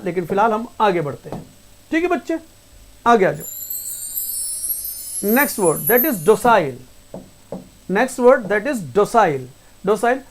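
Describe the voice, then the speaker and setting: A man runs a live online class on English words, and his voice sits high. He repeats each point several times, asks the students questions and answers them himself. He speaks to his students affectionately as "beta". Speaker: English teacher.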